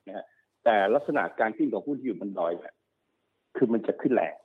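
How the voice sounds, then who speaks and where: A man working as a stock market analyst, explaining market cycles quickly and repeating himself, often checking that the listener follows. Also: fairly low pitch, animated, breathy edge. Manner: fast, repetitive explaining, often checks understanding. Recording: narrow phone-like sound.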